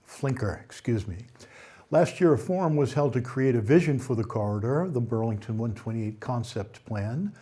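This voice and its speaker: Reading through local news stories, this male anchor keeps a steady delivery in a medium pitch. Occasional slips creep in, which he corrects on the spot.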